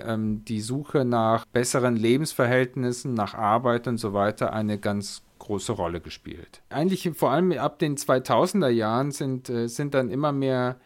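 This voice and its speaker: A man hosting a relaxed discussion who pauses often and searches for his words as he sums things up. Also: medium pitch. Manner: halting, searching for words, summarizing. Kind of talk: conversational discussion.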